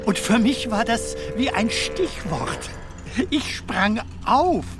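An actor playing an elderly, wistful comedian telling stories in a theatrical radio drama manner, with dramatic pauses. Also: male voice, extremely high pitch, sing-song, full character voice. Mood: incredulous. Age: older. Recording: music under the voice.

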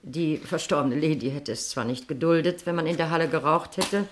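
An actress playing a gossipy, insinuating woman in a German radio crime drama, speaking in a measured, confiding, pointed way. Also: low-pitched, natural voice. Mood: accusing. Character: gossipy, insinuating female resident of a villa.

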